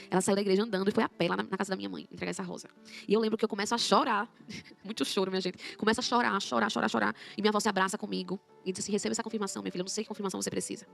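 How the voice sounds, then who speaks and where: A young woman telling her conversion testimony in an emotional, animated way, acting out her own quoted words as she talks. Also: mid-range voice, creaky. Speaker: guest giving a conversion testimony.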